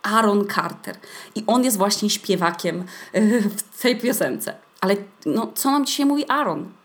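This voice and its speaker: A woman's voice: medium pitch, lively intonation, measured pace. A young woman hosting a podcast, talking in a chatty, colloquial and playfully ironic way. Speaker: podcast host. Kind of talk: casual solo podcast monologue.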